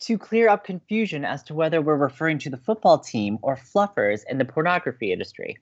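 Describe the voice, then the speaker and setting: A man's voice: fairly high pitch, very animated, fairly quick, highs cut off. A man playing an upbeat, teasing college radio co-host in an audio romantic comedy, with a playful, breezy manner. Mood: mock-serious.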